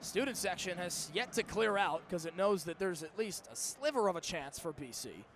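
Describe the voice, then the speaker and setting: A man's voice: high-pitched, expressive, moderate pace, fairly bright tone, slight background noise. A young American man calling live football play-by-play in an emphatic, dramatic way. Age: young adult. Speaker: sports play-by-play announcer. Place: stadium football broadcast.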